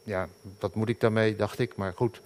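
A middle-aged man, a pastor, preaching a sermon in an earnest, halting way with many fillers and restarts. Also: fairly low pitch, steady tone, darkish tone.

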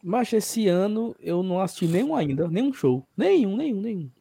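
A man's voice: sits high, normal speed, gravelly, breathy edge, no echo. A man, co-hosting a casual sports chat and telling stories with animation. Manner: animated storytelling, imitates chants. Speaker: co-host.

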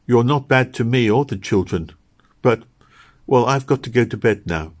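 A man's voice: medium pitch, expressive, normal speed, natural voice. A man voicing a hopeful, caring little girl with simple, insistent speech in a storybook reading. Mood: gentle.

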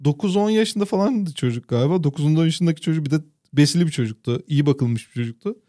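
A man with a high voice chats casually and drags out his words for comic effect as he tells a story. The sound is dry and close, with no room around it. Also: expressive, fast talker, warm tone, no room sound. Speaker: podcast co-host. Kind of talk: casual chat.

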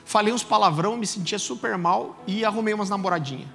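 A Brazilian man preaching a sermon in church, telling a personal story in a lively way and often calling the listeners "brother". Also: high voice, quick pace, gravelly, soft background music. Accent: Brazilian Portuguese. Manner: animated storytelling, addresses listeners as "irmão". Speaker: pastor. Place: church service.

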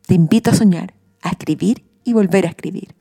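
A woman, a writer hosting her own show, reflecting calmly and speaking straight to her listeners. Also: fairly low pitch, brisk, gravelly, breathy edge, soft background music. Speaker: writer and podcast host. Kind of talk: reflective spoken monologue.

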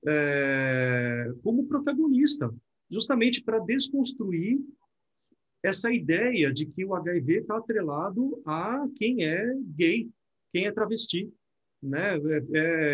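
A man with a husky, slightly high voice speaks as a Buddhist teacher and host. He explains ideas reflectively, often ending with tag questions. The recording is dull and lo-fi. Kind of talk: reflective conversation.

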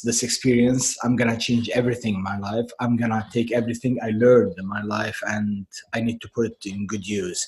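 A man, a coach telling his story as a guest in a casual interview, halting and trailing off quietly. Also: lowish voice, rough recording. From Lebanon. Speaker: guest, life and business coach.

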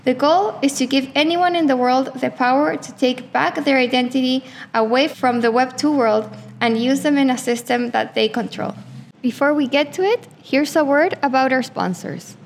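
High-voiced lady hosting a podcast, lots of ums, faint hiss and reverb behind her. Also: moderate pace. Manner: smooth reads, then hesitant with many fillers. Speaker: podcast host. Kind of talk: podcast hosting and sponsor reads.

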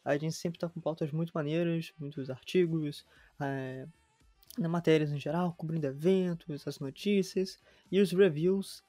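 Young host, dry close sound. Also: male voice, fairly high pitch, steady tone, a little slow, dark tone, no echo, soft background music. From Brazil. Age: 20s. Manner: chatty, slangy, upbeat promo delivery. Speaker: podcast host. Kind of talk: casual podcast hosting.

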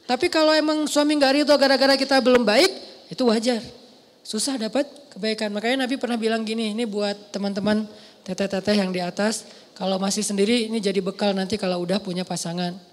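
An Indonesian-accented man preaching a sermon to a mosque audience, telling stories with lively asides. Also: high voice. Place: large mosque hall. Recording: long hall reverb.

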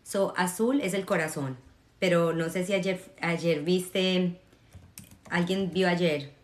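A woman meditation guide speaks in a lowish, encouraging voice, reassuring her listeners. Her voice carries a noticeable roomy echo. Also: fairly even intonation, slow pace. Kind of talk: guided meditation and live chat with viewers.

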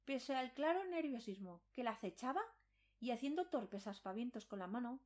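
A woman's voice: on the high side, sing-song, normal speed, a little mellow. A woman reading a scripted first-person supernatural horror story as a dramatic narration.

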